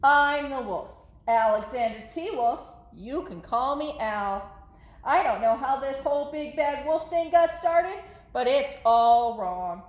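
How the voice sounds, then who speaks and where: A folksy storybook wolf, acted out by a woman, chatty and forever excusing himself. The delivery swings widely in a high-pitched voice. The room sounds echoey. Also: lively intonation, slow. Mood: aggrieved, confiding. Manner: chatty, protesting innocence. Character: self-justifying folksy wolf telling his side.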